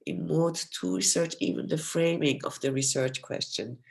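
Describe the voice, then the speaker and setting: A woman professor giving an academic research lecture over a video call in an explanatory, steady way, losing her voice and coughing now and then. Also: sits low, normal speed, vocal fry. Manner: explanatory, steady, apologetic when interrupted.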